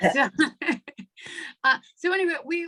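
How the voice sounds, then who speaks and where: A woman with a slight New York accent speaks at a moderate pace in a raised, projected voice with a bright, sharp tone. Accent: slight New York accent from recent visit. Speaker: lifestyle coach. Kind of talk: workshop talk. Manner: casual, with many fillers.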